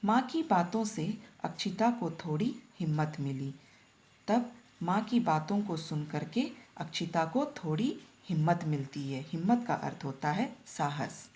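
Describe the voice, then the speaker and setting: A woman's voice: fairly low pitch, expressive, unhurried, a little mellow. A woman school teacher giving a recorded Hindi lesson to children, reading a story and explaining each line and word. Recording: echoey room.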